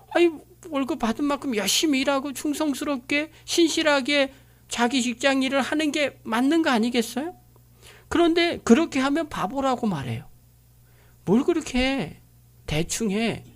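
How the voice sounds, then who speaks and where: Lively high-pitched woman preaching. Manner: emphatic preaching with frequent rhetorical questions. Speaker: pastor. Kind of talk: sermon.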